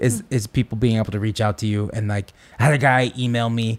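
A very fast-talking man with an American accent, medium-pitched and flat in a monotone, recorded dry and close with no echo against a silent, very clean background. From California, Santa Barbara. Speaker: podcast host and musician. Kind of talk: casual chat.

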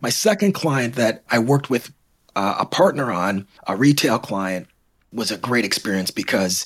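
In a very clean recording with a silent background, a man speaks with an ordinary speaking voice, medium pitch and lively intonation. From Canada, Toronto. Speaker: marketing consultant. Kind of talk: casual interview.

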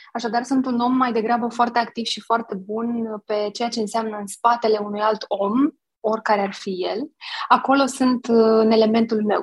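In a monotone, flat delivery, a woman with a fairly high pitch talks at a moderate pace. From Romania, Ploiești. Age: 40s. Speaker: content creator and entrepreneur. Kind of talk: podcast interview. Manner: halting, many fillers.

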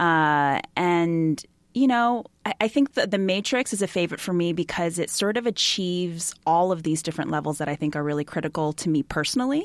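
A woman with an American accent and an ordinary speaking voice talks with hardly any pauses, lively intonation and a fairly low pitch, on a very clean recording with a silent background and a dry, close sound with no echo. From United States. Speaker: actor, writer and director. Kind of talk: casual chat.

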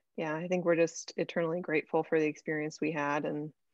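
Dry and close with no echo over a quiet background, a woman with a Minnesotan accent speaks in a very deep, low pitch with monotone, flat intonation. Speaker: orthopedic surgeon. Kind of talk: casual interview.

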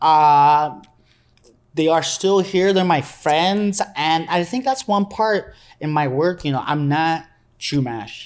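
In a very clean recording with a silent background, a man with an American accent and fairly high pitch speaks very slowly with lively intonation. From Santa Barbara, California. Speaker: cultural archivist. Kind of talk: casual chat.

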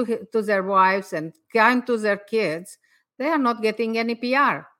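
Over a silent background in a very clean recording, a woman with a non-native accent speaks at a moderate pace in a bright, sharp tone, her fairly high pitch varying in an ordinary way. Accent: foreign-accented English. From outside the US, immigrant. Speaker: energy healer. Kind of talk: interview. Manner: hesitant, many fillers.

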